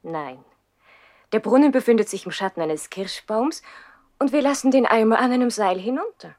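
Woman playing teen noble girl, coy n soft, a bit high, swoopy pitch, old radio play. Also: lively intonation, normal speed, natural voice. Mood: friendly, coy. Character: Ursula, coy, gentle seventeen-year-old noble girl. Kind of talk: 1960s German radio play acting.

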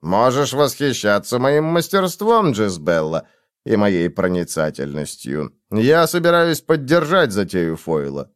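A man's voice: on the low side, very animated, unhurried, clean tone, no room sound, studio quality. A male reader voicing a cool, dispassionate, smug surgeon in an audiobook.

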